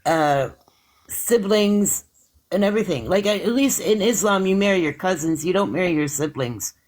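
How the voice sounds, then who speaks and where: A man's voice: high voice, expressive, moderate pace, low-quality recording. Rambling man explaining in casual chat. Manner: rambling explainer, restarts and hedges often.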